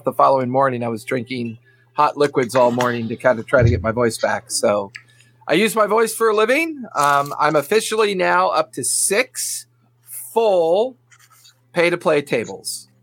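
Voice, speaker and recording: A man's voice: medium pitch, a bit bright. A man hosting a tabletop game show who gives casual announcements and rambles with frequent ums and uhs. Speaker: game master and host.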